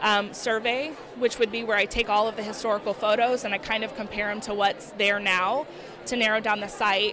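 A woman speaks at a fairly quick pace in a fairly high pitch. Her intonation is monotone and flat, with noticeable background noise behind her. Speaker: history student. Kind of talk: interview. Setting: live event with crowd.

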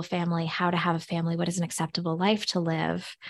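A woman with a fairly low voice talks at a very fast pace. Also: quiet background. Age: 40s. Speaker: finance professional and podcast host, solo parent. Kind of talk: interview conversation.

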